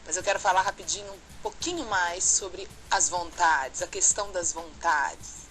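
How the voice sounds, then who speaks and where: A woman's voice: lowish voice, moderate pace, a bit bright, faint music behind, low-quality recording. A woman pastor delivering an earnest, fervent sermon to an online audience, recorded on a home webcam. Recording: faint background noise from a webcam stream.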